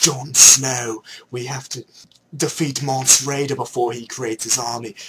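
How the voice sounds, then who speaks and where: A man puts on a character voice, speaking at a medium pitch and a moderate pace. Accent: British. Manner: exaggerated, mock-dramatic.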